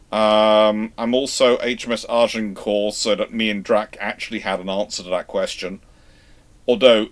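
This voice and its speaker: A man hosting a livestream, chatting casually as he answers listener questions in an animated storytelling way. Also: lowish voice. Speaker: host of a naval history livestream.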